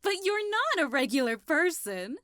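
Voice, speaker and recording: Woman playing an eager, high-voiced lady scientist. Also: sing-song, moderate pace, a bit bright, no echo, clean studio sound. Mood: matter-of-fact. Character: Doctor Virtua, eager, nosy, kindly woman scientist.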